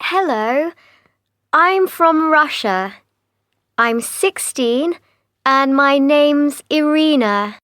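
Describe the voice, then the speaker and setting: A woman voicing a young schoolgirl introducing herself in scripted learner audio, slow and clearly articulated. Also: high voice, animated, a bit bright, no room sound, studio quality, exaggerated voice. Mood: friendly. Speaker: voice actor in textbook audio.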